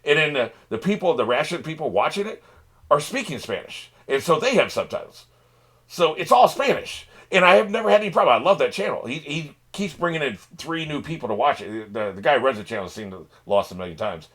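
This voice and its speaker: A man's voice: fairly high pitch, expressive, fairly quick, a bit bright, husky. A man hosting a reaction channel, talking off the cuff in a rambling, profane way with many restarts. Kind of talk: casual unscripted monologue.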